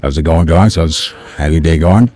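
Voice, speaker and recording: Man through a very deep voice changer. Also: normal speed, darkish tone, a little hiss or hum. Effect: deep pitch-lowering voice changer. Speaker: gaming video creator. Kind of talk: casual in-game chat and mock narration.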